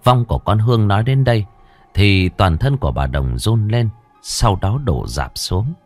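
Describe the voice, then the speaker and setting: A man narrating a ghost story in a measured, suspenseful way. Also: on the low side, lively intonation, a little mellow, soft background music.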